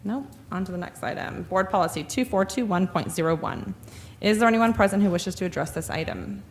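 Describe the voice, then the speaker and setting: A woman chairing a school board meeting, reading agenda items in brisk, repetitive, formal phrasing into a table microphone. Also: lowish voice, big pitch swings, a little hiss or hum.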